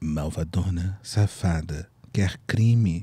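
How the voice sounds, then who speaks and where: A man speaks with a dark, mellow tone and a somewhat breathy quality, using ordinary pitch variation, in a dry recording with no echo and a quiet background. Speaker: podcast host. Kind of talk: casual comedic chat. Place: studio. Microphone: studio mic.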